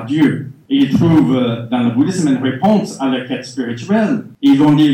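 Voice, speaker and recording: Male lecturer, dark mellow tone, patient explaining, picked up from afar in a very echoey hall. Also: mid-range voice. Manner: measured, explanatory, with frequent pauses. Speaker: conference speaker. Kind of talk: answering audience questions. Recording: echoey hall, far from the mic.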